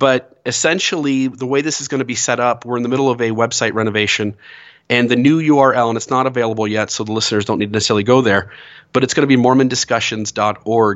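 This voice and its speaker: Speaking very fast with a Midwestern American accent, a man keeps a medium pitch and fairly even intonation. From Ohio, US Midwest. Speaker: podcast host. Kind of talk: casual interview.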